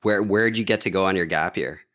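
A man's voice: low-pitched, fairly quick, a bit bright. A man hosting an interview, asking curious follow-up questions that often restart partway through. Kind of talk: podcast interview.

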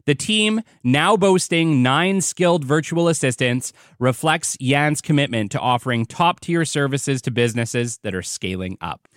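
A man's voice: medium pitch, animated, measured pace, fairly bright tone, no echo. A male podcast host with an upbeat, enthusiastic delivery and an easy laugh. His mid-range voice sits close to the mic in a dry, dead-sounding space. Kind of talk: scripted intro reading, then casual interview chat.

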